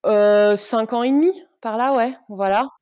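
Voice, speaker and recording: Friendly woman, halting with fillers. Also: on the high side, a little mellow, clean tone, no room sound, clean studio sound. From Paris region, France. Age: 30s. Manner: friendly, hesitant with many fillers. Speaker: guest, sports coach. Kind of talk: casual interview talk.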